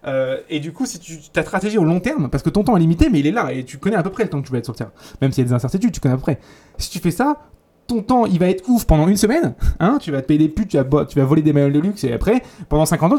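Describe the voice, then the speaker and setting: A man's voice: a little high, mellow. A man giving a blunt, casual motivational talk as a 3D teacher, full of crude slang and restarts. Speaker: YouTube 3D teacher.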